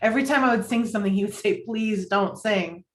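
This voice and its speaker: A woman's voice: mid-range voice, a little fast, natural voice. A woman playing a sensitive, fussy single woman in a romantic comedy table read, speaking hesitantly and conversationally. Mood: insecure.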